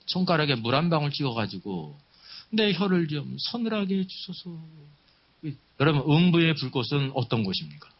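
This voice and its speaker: A man's voice: a little high, sing-song, normal speed. A man preaching at a Bible seminar, teaching emphatically with rhetorical questions and repeated key phrases. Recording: dull, muffled lo-fi sound.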